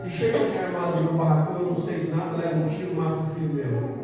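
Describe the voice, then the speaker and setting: A Brazilian man preaching a storytelling sermon as pastor, animated and acting out the dialogue of his story. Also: a little high, rapid-fire. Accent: Brazilian Portuguese. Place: large church hall. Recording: echoey church hall from far off, music behind.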